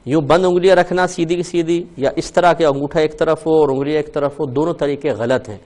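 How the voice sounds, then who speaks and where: A man hosting a religious call-in show as a mufti, explaining patiently and slowly repeating phrases to show how to say them. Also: fairly high pitch, fairly even intonation, darkish tone. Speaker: mufti answering callers.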